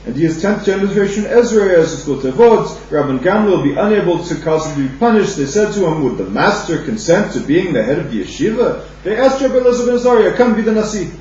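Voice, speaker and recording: A man with a high, sing-song, slightly mellow voice teaches a daily Talmud study lesson, haltingly restarting phrases as he reads Aramaic and then explains it in English. He is recorded on a distant, dull lo-fi mic in a very echoey room with a faint hum.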